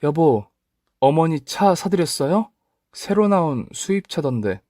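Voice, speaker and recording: A man's voice: on the high side, very animated, unhurried, mellow, dry recording, studio quality, voice pushed up. A man voicing a frustrated young wife who questions and pleads with her family. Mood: wary.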